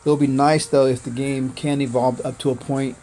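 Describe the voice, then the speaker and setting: A man's voice: mid-range voice, flat delivery, normal speed, dark tone, soft background music. Chatty male game streamer, native Korean. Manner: chatty, thanks viewers by name, frequent "uh" and "man". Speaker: livestreamer. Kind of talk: casual gaming livestream chat.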